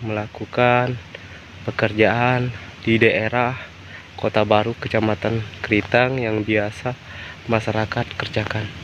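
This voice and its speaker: Over noticeable background noise, a man with a medium pitch talks at a fairly slow pace in a monotone, flat intonation. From Riau, Indonesia (Indragiri Hilir, Malay native). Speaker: vlogger. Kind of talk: casual vlog narration. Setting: outdoors.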